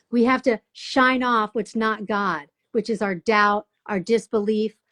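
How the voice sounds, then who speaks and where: Here is a normal speaking voice at a fairly slow pace with fairly even intonation, set against a quiet background in a dry, close sound with no echo. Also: woman. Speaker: spiritual intuitive and retreat leader. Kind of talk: interview.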